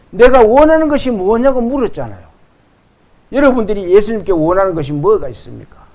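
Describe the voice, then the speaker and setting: A middle-aged male pastor preaching a sermon, reading verses slowly and with emphasis and acting out the quoted voices. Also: a little high, darkish tone.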